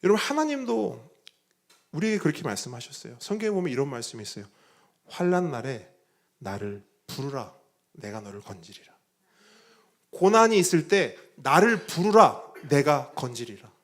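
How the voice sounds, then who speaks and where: Emphatic preaching man, lively pitch. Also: normal speed, long pauses. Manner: emphatic preaching with rhetorical questions. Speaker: pastor. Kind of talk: sermon.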